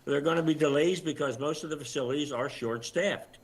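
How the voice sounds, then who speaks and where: Older man, measured and halting. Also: on the high side. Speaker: retired air traffic controller, interview guest. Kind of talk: live news interview commentary.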